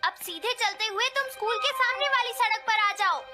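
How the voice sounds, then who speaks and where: A woman's voice: extremely high pitch, a little fast. A woman voicing an anxious, helpful robot cat in a Hindi cartoon dub, speaking in urgent exclamations. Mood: urgent, alarmed. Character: high-pitched robot cat friend, anxious, helpful guide. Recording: loud music under the voice.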